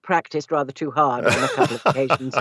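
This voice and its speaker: A British woman from Wales whose first language was Welsh, speaking as an interview guest with a wry, measured way of telling stories. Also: rumbling low, a bit bright, dry recording. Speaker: guest, actor and narration coach. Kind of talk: relaxed interview chat. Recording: dull lo-fi dry sound.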